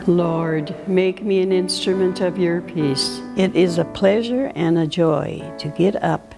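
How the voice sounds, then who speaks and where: A woman's fairly low voice at a very slow pace, with music in the background. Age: 80s+. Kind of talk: interview answer.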